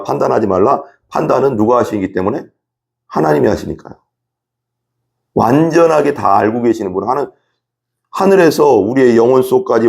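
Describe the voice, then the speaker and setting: A pastor preaches a sermon in a mid-range, darkish voice with vocal fry. Emphatic and repetitive, he repeats words for emphasis, acts out little scenes as examples, and keeps asking the congregation questions.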